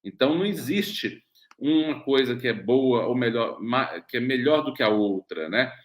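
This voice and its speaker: A man's voice: medium pitch, lively intonation, normal speed, echoey room. A man with a Brazilian Portuguese accent, a doctor giving a mentoring lecture, explaining patiently and often checking in with "né?" and rhetorical questions. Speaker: doctor leading a weight-loss mentoring program.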